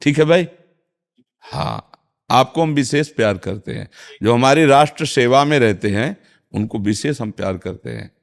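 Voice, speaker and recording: A man's voice: mid-range voice, expressive, normal speed, creaky. A man giving a devotional discourse as a spiritual teacher, answering followers' questions, chanting verses and then explaining them.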